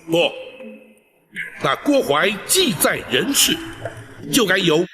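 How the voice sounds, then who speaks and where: An actor playing a stern imperial judge in a period drama, stately, deliberate and authoritative. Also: male voice, sits high, very animated, bright, forceful tone, full character voice. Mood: commanding. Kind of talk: theatrical Chinese period drama acting. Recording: reverberant hall.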